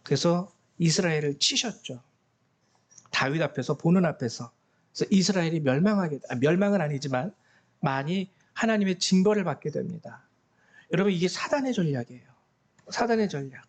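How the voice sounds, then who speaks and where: A man's voice: fairly high pitch, lively intonation, a little fast. A man pastor preaching a sermon, emphatic, repeating key words and acting out quoted speech.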